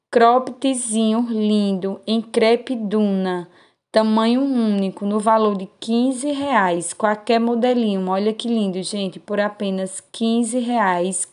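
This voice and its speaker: Host read: Pernambuco woman, unhurried promo voice-over, sing-song and affectionate. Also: darkish tone. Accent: Pernambuco Portuguese. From Brazil. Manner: slow, sing-song sales pitch, affectionate. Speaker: fashion wholesale channel host. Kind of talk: promotional product showcase voice-over.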